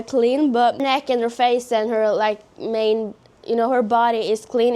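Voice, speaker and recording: A woman's voice: on the high side, darkish tone. A teenage girl from Norway with a Norwegian accent, chatting casually through a horse-care tutorial with many fillers. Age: teens. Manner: chatty, lots of fillers, self-conscious. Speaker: horse vlogger. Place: outdoors or stable with her horse.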